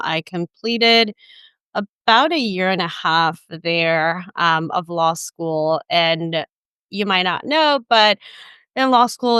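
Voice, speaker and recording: Very clear-voiced woman attorney guest. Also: on the low side, fairly bright tone, no room sound. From Dominican Republic. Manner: measured, explanatory, with frequent ums. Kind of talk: interview answers.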